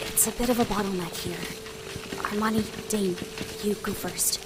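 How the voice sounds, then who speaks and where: A woman playing a brisk, practical leader of a heist crew in an audio drama, giving terse, commanding directions. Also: mid-range voice, heavy background noise, close to an everyday voice. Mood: focused.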